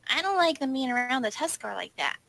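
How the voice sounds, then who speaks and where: A woman's voice: high voice, big pitch swings, a little fast, creaky, fairly bright tone, no echo. A woman playing a tabletop roleplaying game, talking casually in character.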